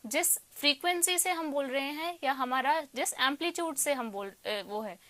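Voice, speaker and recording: A woman's voice: sits high, normal speed, pushed and bright, dry recording. A woman with an Indian accent giving an explanatory lesson as a tutor, posing questions and then answering them. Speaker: electronics tutor. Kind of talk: explanatory lecture mixing Hindi and English.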